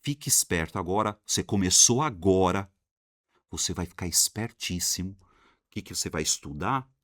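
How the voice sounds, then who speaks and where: Brazilian man, grammar teacher, lively swooping delivery, low voice, slangy. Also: normal speed, dry recording, clean studio sound. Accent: Brazilian Portuguese. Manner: animated, slangy, answers his own questions. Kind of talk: energetic online lesson.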